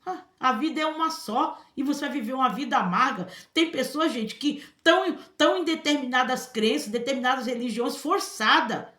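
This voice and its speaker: A Brazilian woman speaks her mind in an emphatic vlog, her voice sitting a little high for a woman. She keeps pulling the listener in with quick asides and checks. The room gives her voice a noticeable echo. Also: expressive, fairly bright tone. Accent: Brazilian Portuguese. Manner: emphatic, keeps addressing listeners with "gente" and "entendeu?". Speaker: vlogger. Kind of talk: emphatic personal commentary to camera.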